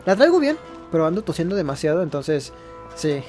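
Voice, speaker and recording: A man's voice: fairly high pitch, very animated, fast talker, a little mellow. A man with a Mexican Spanish accent giving casual, informal gameplay commentary in a hesitant way. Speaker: gaming video creator. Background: faint game music.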